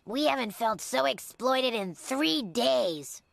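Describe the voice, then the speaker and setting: A hammy melodramatic cartoon actress. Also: female voice, a little high, lively intonation, takes it slowly, vocal fry, exaggerated voice. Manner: hammy, melodramatic line reading. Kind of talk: cartoon voice acting.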